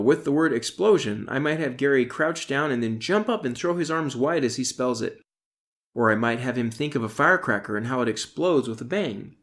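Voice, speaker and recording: A middle-aged man, an author, reads his self-help audiobook in a deliberate, instructional way, stressing key terms. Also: mid-range voice. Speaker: author reading own audiobook.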